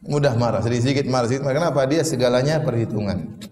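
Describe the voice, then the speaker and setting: A man's voice: medium pitch, rapid-fire, a little mellow. A man preaching a sermon, telling humorous stories with acted quotes and rhetorical questions. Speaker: Islamic preacher. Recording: echoey hall with long reverb.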